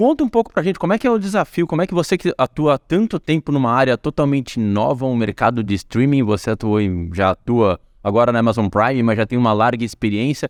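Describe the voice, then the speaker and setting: At a very fast pace with hardly any pauses, a man with a Brazilian accent uses lively intonation and very even loudness in a very clean recording with a silent background and a dry, close sound with no echo. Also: medium pitch for a man. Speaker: podcast host. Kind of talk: podcast interview.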